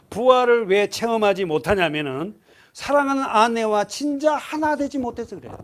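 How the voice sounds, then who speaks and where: A male pastor preaching a sermon to his congregation, asking them questions and acting out voices. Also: extremely high pitch. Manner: lively, asks the congregation questions, acts out voices.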